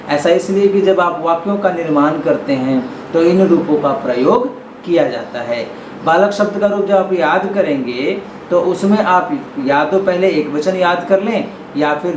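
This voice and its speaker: A man teaching a Sanskrit lesson online, chanting word forms slowly and clearly for pupils to repeat, with quick explanations between the drills. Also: on the high side, reverberant, noisy background.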